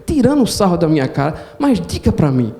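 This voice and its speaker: Homem imitando a mãe baixinha, provocadora e mandona. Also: male voice, a little high, very animated, a little fast, dark tone. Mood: teasing scold. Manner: scolding, mock-offended. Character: tiny older mother, teasing and bossy.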